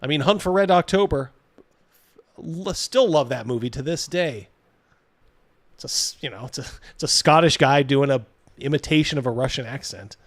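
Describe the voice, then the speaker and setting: A man's voice: medium pitch, normal speed, no echo. A man hosting a casual live commentary, reading out viewer comments in a blunt, mocking, sweary way. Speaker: host of a livestream reacting to a video.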